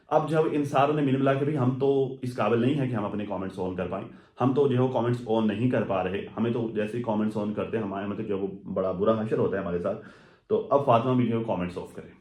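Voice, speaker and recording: A man's voice: fairly low pitch, darkish tone. A man giving casual, rambling commentary on social media gossip, full of fillers and asides. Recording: echoey room.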